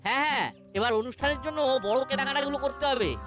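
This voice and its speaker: A bustling cartoon committee official, acted out by a woman. The voice is high and excitable, with clear music underneath. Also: fast, lightly acted. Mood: busy, eager. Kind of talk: animated comic cartoon acting.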